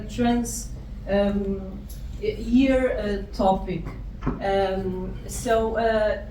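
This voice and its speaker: A Portuguese woman with an accent gives a slow, halting academic talk in English, her first language being Portuguese. She pauses often with fillers and restarts. She sounds far from the mic in a very echoey conference hall with clear background noise. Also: on the high side. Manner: hesitant, many fillers and restarts. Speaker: conference presenter.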